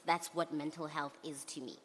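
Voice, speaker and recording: A young woman on a panel speaks in a lowish voice, hesitating often and filling pauses as she works out her thoughts. A long hall reverb trails after her words. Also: steady tone. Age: young adult. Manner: hesitant, with many fillers. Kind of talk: youth panel discussion.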